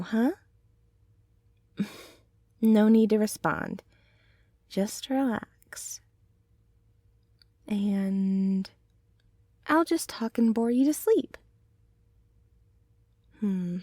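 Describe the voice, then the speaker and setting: A woman voicing a gentle, teasing centaur girlfriend in a soothing ASMR roleplay, with breathy murmurs and soft sighs. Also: fairly high pitch, no room sound, clean studio sound, exaggerated voice. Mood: soothing, playful. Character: gentle, caring, teasing female centaur girlfriend, hardworking farmer.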